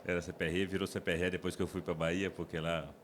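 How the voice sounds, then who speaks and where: A man's voice: sits low, flat delivery, quick pace, a little hiss or hum. A man from the interior of São Paulo, a guest endoscopist explaining his work in a podcast interview, with frequent restarts and fillers. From interior of São Paulo state, Brazil.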